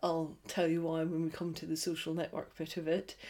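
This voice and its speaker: The voice has a dark, mellow tone and a Scottish accent. The recording is very clean, with a silent background. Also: woman. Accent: soft Scottish. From Scotland. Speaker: podcast host. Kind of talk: casual chat.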